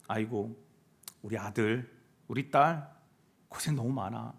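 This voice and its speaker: A man pastor delivers a sermon to older church members. His voice sits high and swings widely in pitch. He keeps asking questions and answering them, and now and then acts out what people might say. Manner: call-and-response questions, acts out quoted speech. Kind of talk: sermon to senior congregation.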